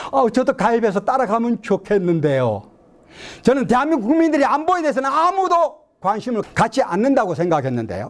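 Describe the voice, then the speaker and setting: A man with an extremely high pitch talks at a fairly quick pace, his pitch swinging very widely while his loudness stays very even. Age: 70s. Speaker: columnist and retired army officer. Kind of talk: public lecture.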